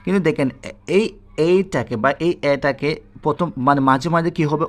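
A man's voice: on the high side, fairly quick. A man with a Bangladeshi Bengali accent teaching a spoken English lesson. He repeats himself, talks straight to his viewers and keeps checking that they follow. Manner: repetitive, checks in with "ঠিক আছে?"; addresses viewers directly.

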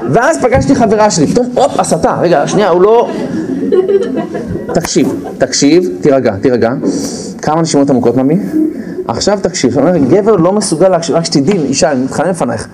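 A man's voice: on the high side, poor audio. A man giving a humorous lecture on marriage to a live audience, acting out spouses' lines and repeating key phrases for emphasis. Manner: animated, acts out spouses' lines in quick put-on voices. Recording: live audience audible in the background.

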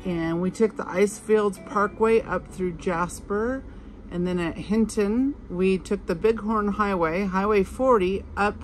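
A woman in her forties, a travel vlogger with a mid-range voice, chats casually into a phone held at arm's length, first outdoors in a parking lot and then inside her RV. She's easygoing and chatty, talking to her dogs along the way. The audio is poor, with background music beneath her voice.

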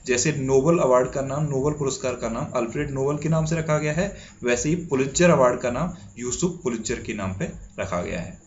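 A man's voice: mid-range voice, a little fast, few pauses, highs cut off, slight background noise. A man from India teaching current affairs for exams, reading out quiz questions and repeating each answer as he asks and answers himself. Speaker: current affairs exam tutor. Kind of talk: spoken quiz lesson.

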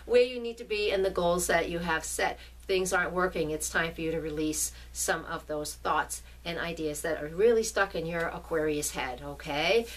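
A middle-aged astrologer with a New England accent talks casually in a lowish voice, often pausing to check in with her listeners. She sits a little back from the mic, so the voice sounds slightly distant. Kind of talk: casual forecast video.

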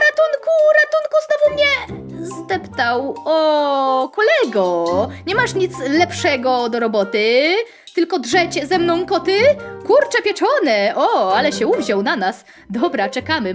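A young woman hosting a playful gaming let's-play, bubbly and sing-song, rhyming and squealing at mishaps, with game music underneath. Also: high voice. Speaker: gaming channel host.

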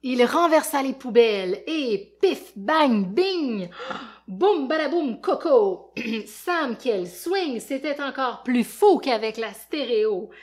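A woman, a teacher, reading a rhyming picture book aloud to children with a lively, rhythmic delivery and questions for her listeners. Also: sits high, takes it slowly. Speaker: teacher and storyteller.

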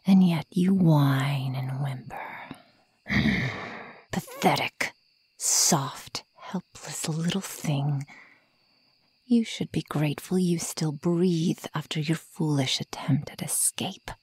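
A woman voicing a sadistic young female werewolf in a slow ASMR roleplay, whispery and breathy, taunting and menacing her prey. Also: low-pitched, darkish tone, dry recording, full character voice. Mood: scornful, menacing. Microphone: close microphone, dry.

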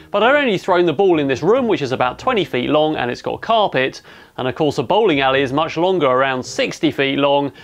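A man in his thirties with an English accent, narrating his maker project in a matter-of-fact, technical way on a lapel mic. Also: medium pitch. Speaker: maker vlogger. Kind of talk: explanatory voice-over narration. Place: home robotics workshop in an attic. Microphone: clip-on lapel mic.

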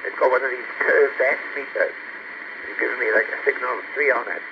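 A man's voice: medium pitch, steady tone, fairly quick. A man chatting casually as a CB radio operator, heard through a radio transmission. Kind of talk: casual radio contact chat. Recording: dull CB radio with heavy static.

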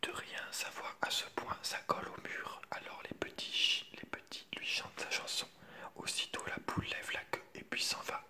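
A man whispers his way through a children's picture book at normal speed, keeping to a hushed, unvoiced library tone in ASMR style and dropping casual asides to his viewers.

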